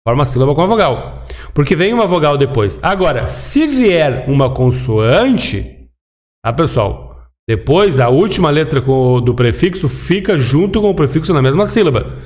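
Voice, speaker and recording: Male teacher, slightly high voice, patient and explanatory, video lesson delivery. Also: sing-song, moderate pace, darkish tone. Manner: explanatory, checks in often with "tá?". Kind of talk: recorded grammar lesson.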